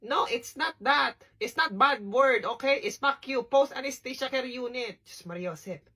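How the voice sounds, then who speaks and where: A woman playing a bossy, chatty Filipino-accented nurse who scolds and fusses over her patients. The voice is bright and a little higher than most, with a husky, breathy edge. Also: moderate pace. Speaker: comedic nurse character. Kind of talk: comedy sketch, character monologue.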